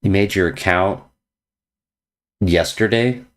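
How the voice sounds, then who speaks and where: A man's voice: low voice, slow. A man streaming chess, chatting casually with viewers in a playful, teasing way, repeating jokey slang phrases. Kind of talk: casual chat reading viewer messages.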